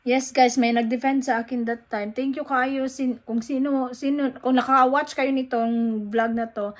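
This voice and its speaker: Filipina mom vlogging, high voice, keeps restarting, kinda emotional. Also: female voice, fairly even intonation, rough recording. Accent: Filipino, with Cebuano words. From Philippines. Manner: emotional, halting, many restarts and fillers, mixes English into Tagalog. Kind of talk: casual vlog monologue.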